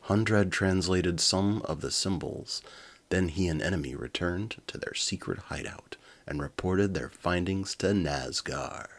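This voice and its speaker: A man's voice: low voice, a little slow, vocal fry. A man narrating a children's storybook, with casual asides of his own commentary. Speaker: reader and commentator.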